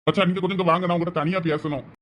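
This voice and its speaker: A man with a Thoothukudi Tamil accent voicing a firm middle-aged husband and father who calmly mediates in a cartoon family drama. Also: high voice, very fast, slight background noise. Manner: firm, calming authority.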